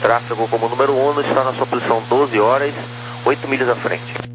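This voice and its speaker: Fast-talking Brazilian man on walkie-talkie. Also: mid-range voice, fairly even intonation. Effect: voice over two-way radio. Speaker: air traffic controller. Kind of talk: clipped procedural radio instructions over walkie-talkie. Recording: noisy radio transmission with hum.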